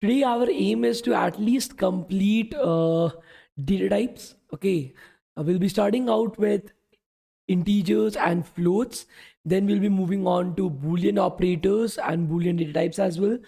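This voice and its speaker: In a live-streamed coding lesson, a young bootcamp instructor talks a little slowly in a high, gravelly yet warm voice that's worn from talking all day. He says "okay" and "guys" a lot, speaks casually, and responds to questions from the chat.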